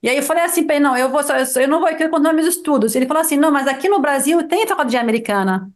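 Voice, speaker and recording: Brief: middle-aged woman, high voice, Arabic native speaker from Lebanon, chatty guest, lively storyteller with restarts. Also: racing. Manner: lively storyteller, many restarts and "sabe?" tags. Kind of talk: casual interview chat.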